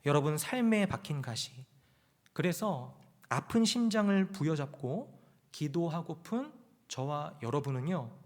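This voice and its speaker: A man preaching a sermon at a Friday prayer meeting in a church, impassioned, swinging from loud pleading to hushed low asides. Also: expressive, measured pace. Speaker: pastor. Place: church sanctuary.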